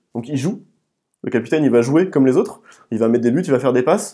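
A very fast delivery comes in a dark, mellow tone. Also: man. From Alsace and the Vosges, France. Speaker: design coach. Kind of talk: interview. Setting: in person at his workplace in Paris. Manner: hesitant, many fillers.

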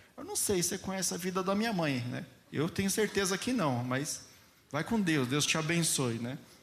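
A soft-spoken, somewhat breathy man at a moderate pace, with lively intonation and audible room echo. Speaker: pastor. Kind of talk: sermon.

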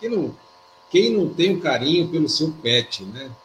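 A man at a moderate pace. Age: 50s. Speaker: HR consultant and speaker. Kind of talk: radio talk show discussion.

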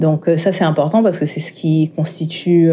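A woman's very deep, low voice with fairly even intonation over noticeable background noise. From Val-d'Oise, Paris suburbs. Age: 30s. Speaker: afrofeminist activist and essayist. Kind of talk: personal testimony interview. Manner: hesitant, many fillers.

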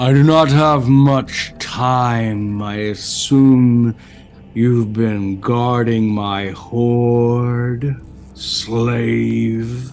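In a put-on character voice at medium pitch, a man talks at a very slow pace over clear background noise. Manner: lazy, arrogant, domineering.

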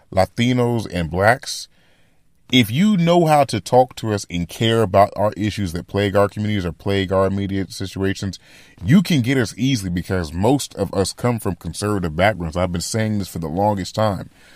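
With an animated tone and ordinary pitch variation, a man with a fairly low pitch speaks at a fairly quick pace on a very clean recording with a silent background and a dry, close sound with no echo. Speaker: podcast host. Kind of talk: casual solo commentary. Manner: animated, conversational.

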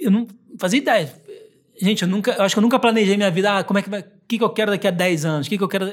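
At a very fast pace, a man with a high pitch speaks with ordinary pitch variation and long, frequent pauses. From Chad and Cape Verde, Brazil from age 12. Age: 30s. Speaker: writer and poet. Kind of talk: casual chat. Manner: halting.

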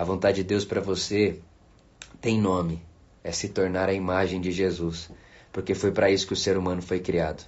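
Spoken at a moderate pace in a flat monotone, the voice leaves long, frequent pauses while room echo is clearly audible. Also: man, very deep, low pitch for a man. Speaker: pastor. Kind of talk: sermon. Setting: live stream. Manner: casual, conversational.

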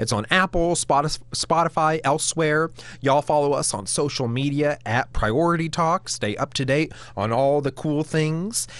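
A man at a moderate pace, fairly high-pitched with ordinary pitch variation, with an American accent and a normal speaking voice. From Maryland / DC / Virginia area. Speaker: radio show fill-in host. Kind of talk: talk radio. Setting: radio studio.

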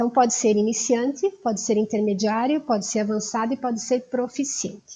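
Her voice is a normal speaking voice, pitched fairly high for a woman. She keeps a moderate pace and ordinary pitch variation. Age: 40s. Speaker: lawyer and language enthusiast. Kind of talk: interview.

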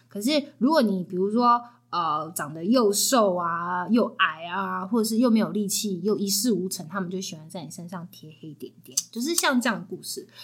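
Somewhat breathy, a woman at medium pitch talks at a moderate pace with lively intonation and big swings in loudness. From Taiwan, Kaohsiung (south). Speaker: churchgoer sharing faith story. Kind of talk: testimony. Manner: animated.

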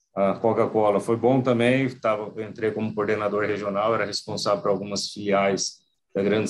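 At a moderate pace, a man talks in a fairly low, monotone voice with flat intonation. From Cuiabá, Mato Grosso, Brazil. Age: 30s. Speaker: logistics security manager, army veteran. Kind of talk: interview. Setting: live online stream.

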